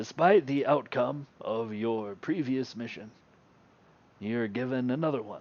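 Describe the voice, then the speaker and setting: The speaker uses a put-on character voice, keeping to a moderate pace. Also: man, medium pitch for a man. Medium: actual play. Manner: dry, formal, exasperated.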